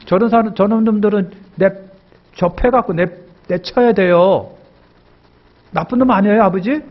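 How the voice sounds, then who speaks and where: A man's voice: sits high, moderate pace, highs cut off, voice pushed up. A man putting on a whiny indignant elder son. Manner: indignant, whining complaint. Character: resentful self-righteous elder son, complaining loudly.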